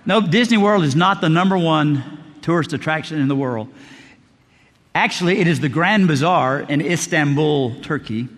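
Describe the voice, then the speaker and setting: An older male pastor preaching a sermon in a conversational, joking way, dropping to a soft voice on key words. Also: fairly high pitch, normal speed. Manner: conversational, jokey preaching with sudden soft drops. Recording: long reverb of a large hall.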